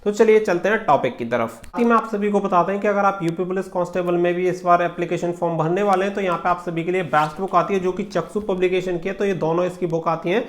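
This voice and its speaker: A man's voice: high-pitched, fast talker, hardly any pauses. A man giving informal exam guidance as a channel host, explaining and repeating points with English terms mixed in. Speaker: exam preparation coach and YouTube channel host.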